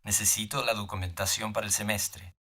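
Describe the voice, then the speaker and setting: A man reading simple scripted dialogue for a beginner language lesson, slow and clear. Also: fairly low pitch, steady tone, sharp tone.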